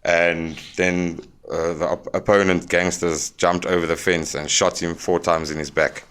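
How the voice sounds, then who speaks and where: Brief: young South African man, very low voice, smooth and clear, frank interview guest. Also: level tone, a bit bright. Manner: plain-spoken, halting with fillers. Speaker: podcast guest. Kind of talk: candid interview storytelling.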